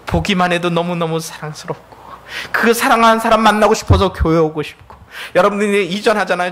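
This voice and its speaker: A man's voice: sits high, a bit bright. A middle-aged man, a missionary preaching a sermon in a church, telling family stories in a conversational way. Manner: conversational, storytelling with family anecdotes. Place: church sanctuary.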